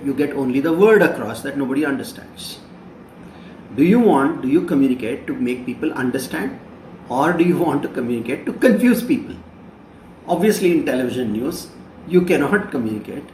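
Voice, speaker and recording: Lively Indian English professor lecturing. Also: male voice, on the high side, slight background noise. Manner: explanatory, repeats key phrases, asks rhetorical questions. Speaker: journalism professor. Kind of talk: classroom lecture. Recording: roomy echo, voice from a distance.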